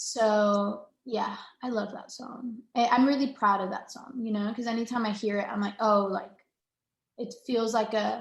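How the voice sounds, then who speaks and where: A woman with a fairly high voice talks at a fairly slow pace, somewhat breathy and monotone, her loudness swinging widely. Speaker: singer-songwriter. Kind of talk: interview. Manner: stutters at times.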